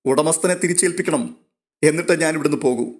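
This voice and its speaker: Male reader as a jilted, drunk young man; weary, quietly menacing, won't back down. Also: on the high side, fast talker, close to an everyday voice. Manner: weary yet threatening.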